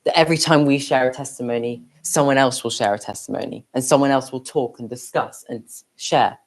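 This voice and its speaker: A young adult with a mid-pitched voice speaks at a public event. The delivery is plain and explanatory, addressed to an audience. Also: fairly even intonation, a little fast.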